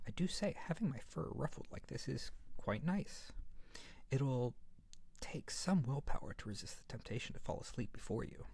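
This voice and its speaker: A man playing a gentle, fluffy monster from under the bed in a soft-spoken ASMR roleplay, hesitant and reassuring, very close to the mic. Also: medium pitch, dry recording. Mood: tender, cozy. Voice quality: soft, breathy at times. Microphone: very close to the microphone.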